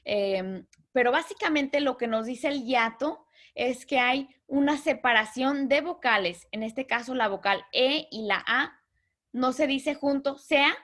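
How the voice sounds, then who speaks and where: A woman teaching a literature lesson, patiently explaining terms and slowly counting out syllables. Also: sits high, a bit bright.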